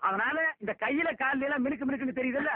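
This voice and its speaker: A man in a film comedy scene, scolding and mocking others with quick insults. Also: very high-pitched, dry recording. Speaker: comic film actor. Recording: tinny lo-fi film audio.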